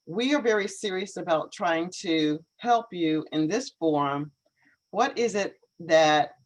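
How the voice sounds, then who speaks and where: A woman with a low voice hosts a live online English lesson, speaking carefully and encouragingly with clear articulation. The recording quality is rough.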